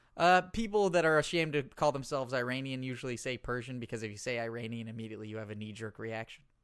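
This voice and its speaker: A man at a very fast pace, with big swings in loudness and ordinary pitch variation, on a very clean recording with a silent background. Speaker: comedy wrestling podcast co-host. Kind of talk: comedic casual chat. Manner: goes high-pitched when excited at live events.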